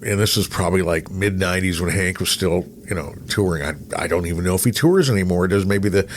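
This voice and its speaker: A man's voice: low voice, fast talker, a little hiss or hum. A man in his sixties chatting casually and in a rambling, self-deprecating way, like a seasoned radio co-host. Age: 60s. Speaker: podcast co-host and radio broadcaster. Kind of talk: casual conversational chat.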